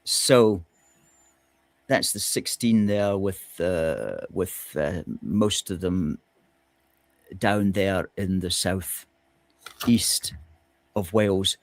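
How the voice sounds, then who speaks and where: A man hosting a political discussion, measured and questioning, with hesitant fillers. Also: low-pitched, expressive, dry recording. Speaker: host.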